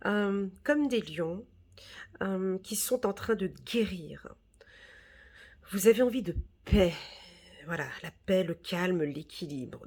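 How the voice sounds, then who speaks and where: Lady doing a tarot reading, bit husky, chatty and reassuring, lots of "d'accord?". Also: mid-range voice. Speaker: tarot reader. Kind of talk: casual tarot reading monologue.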